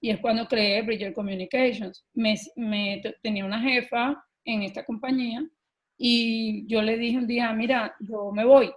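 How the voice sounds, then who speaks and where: A middle-aged woman with a Colombian accent speaks in a slightly high voice. She tells her own story as a podcast guest, earnest and lively. She often pauses on small filler words before carrying on. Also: rough recording. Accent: Colombian Spanish. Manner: earnest and animated, often pausing with "eh" and "este". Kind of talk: personal storytelling in an interview.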